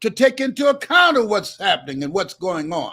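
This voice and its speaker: On a very clean recording with a silent background, a man with a high pitch speaks in an animated, bright, sharp tone. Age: 70s. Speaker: motivational speaker. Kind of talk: motivational talk.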